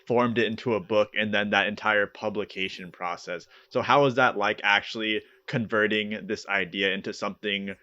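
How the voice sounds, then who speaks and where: A man hosting a podcast, asking a guest a casual question in a relaxed way, with many filler words. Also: on the low side, moderate pace, hardly any pauses, no room sound, highs cut off. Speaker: podcast host.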